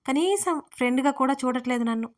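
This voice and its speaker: A woman's voice: high voice, expressive, quick pace. A woman voicing a young woman in an audio story, hurt, jealous and weepy, pleading through sniffles. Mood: tearful.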